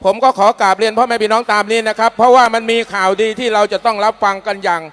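A man delivers a rally speech in a very high, clear voice. He addresses the crowd emphatically as an MC, with long reverb trailing his words and music behind him. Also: fairly even intonation, very fast. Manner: loud, emphatic, polite thanks and repetition. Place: public rally at a provincial hall.

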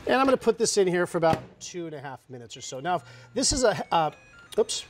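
A man's voice: high voice, sing-song, fast talker. Enthusiastic man demonstrating food, some noise behind. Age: middle-aged. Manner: casual, enthusiastic, talking while working. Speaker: guest product demonstrator and cook. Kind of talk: live cooking demonstration sales chat. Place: TV studio kitchen set.

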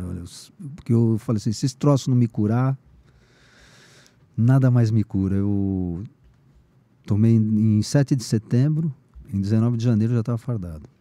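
A middle-aged man, a podcast guest who teaches shamanism, tells a story casually and animatedly, acting out his own past lines in a raised, excited voice. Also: on the low side, no echo. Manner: informal, frequent slang fillers.

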